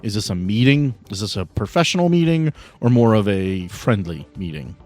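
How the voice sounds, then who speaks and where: A man's voice: on the low side, animated, moderate pace, a little mellow, soft background music. A man hosting as game master, chatting casually and joking playfully. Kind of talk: casual podcast banter and game narration.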